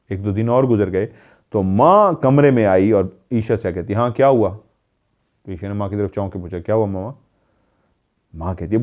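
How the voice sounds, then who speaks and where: Low-voiced male storyteller, lo-fi. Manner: dramatic retelling, mimicking calls in a raised voice. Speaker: paranormal story narrator. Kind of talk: storytelling narration. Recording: dull lo-fi sound.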